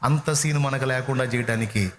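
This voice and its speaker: A man's voice: mid-range voice, fairly quick, noisy background. A male pastor preaching a sermon in a dramatic storytelling manner, acting out dialogue. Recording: roomy echo. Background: faint music.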